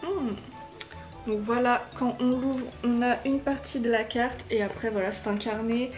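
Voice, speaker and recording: A woman's voice: on the high side, fairly even intonation, measured pace, darkish tone, faint music behind. A woman from chats casually and gushes with enthusiasm while unboxing. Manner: gushing, enthusiastic. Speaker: unboxing vlogger.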